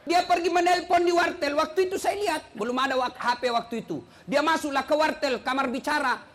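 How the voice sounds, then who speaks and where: A middle-aged man preaching a humorous sermon, teasing the crowd and breaking into shouts. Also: very high voice, a little fast. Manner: joking, teasing, storytelling, bursts of shouting.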